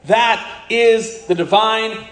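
A man from America preaching with fiery, scornful conviction. His voice sits high, and he drags out his punchlines for weight. The sound rings around an echoey room. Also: a bit bright. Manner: fiery, blunt, scornful preaching with sudden slowdowns for emphasis. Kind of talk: sermon.

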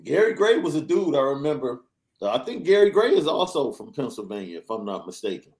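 Energetic man hosting a sports podcast. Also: medium pitch, brisk. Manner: energetic, reads news and ad reads. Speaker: podcast host. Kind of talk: casual sports podcast chat.

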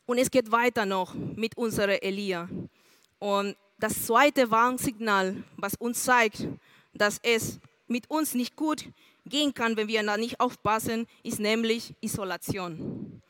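A woman's voice: fairly high pitch, unhurried, a bit bright, no room sound. Earnest woman preacher, dry sound. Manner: earnest, speaks straight to listeners with questions. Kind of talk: sermon.

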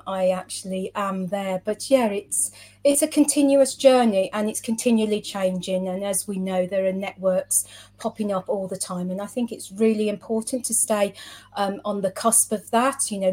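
A woman's voice: medium pitch, mellow. A middle-aged woman answering interview questions in a chatty, explanatory, conversational way. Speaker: interview guest, social media professional.

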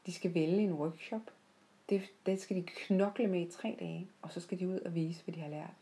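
A woman telling personal stories off the cuff in a heartfelt, reflective way, often pausing mid-sentence. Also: on the low side, steady tone, dark tone. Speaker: podcast host. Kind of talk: unscripted reflective personal storytelling.

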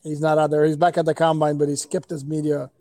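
A male sports reporter chats casually in a slightly high voice with a lot of creak. His delivery is fairly flat and hesitant as he explains things. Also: fast talker.

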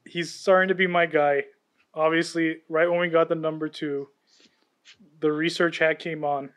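Sports podcast guy, confident and pumped, kinda higher voice. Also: level tone, moderate pace, fairly bright tone. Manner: confident, breaks down players with enthusiasm. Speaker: podcast co-host. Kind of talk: casual sports chat.

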